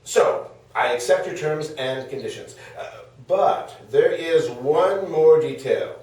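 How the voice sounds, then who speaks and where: A man's voice: fairly high pitch, slow, a little mellow. A man playing an aging, smugly amused ancient Greek philosopher husband in a comedic table read, wordy, hesitant and theatrical. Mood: wryly agreeable. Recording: very echoey room, distant microphone.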